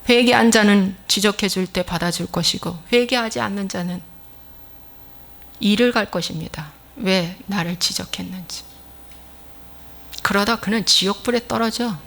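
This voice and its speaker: A woman's voice: mid-range voice, moderate pace, creaky, long pauses, fairly bright tone. A woman pastor delivering a sermon, emphatic and scolding, acting out little quoted exchanges as she preaches.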